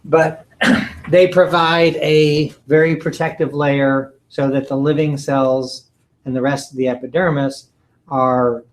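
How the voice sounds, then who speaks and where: A man giving a recorded lecture from slides, halting often with ums and uhs and clearing his throat. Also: on the high side, steady tone, low-quality recording. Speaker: college lecturer.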